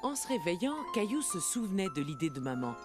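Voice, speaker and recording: A woman's voice: lowish voice, very animated, fairly quick. A woman playing the kindly narrator of a preschool cartoon, telling the story expressively. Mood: warm storytelling. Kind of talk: scripted children's story narration. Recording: music behind the voice.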